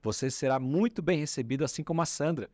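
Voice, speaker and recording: Male interview host, slightly high voice, lively questions, dry close mic. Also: quick pace, no echo. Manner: lively, promotional, asks leading questions. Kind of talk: interview hosting.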